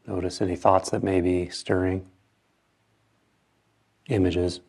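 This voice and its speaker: Male meditation guide, low and steady with little pitch movement, calm short phrases and long pauses. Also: vocal fry, husky.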